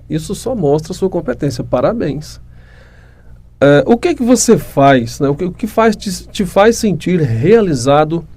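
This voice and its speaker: Upbeat Brazilian host, slightly higher voice. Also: male voice, dark tone. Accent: Brazilian Portuguese, Goiás. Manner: upbeat, complimentary, addresses audience. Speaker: podcast host. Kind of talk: podcast interview questions.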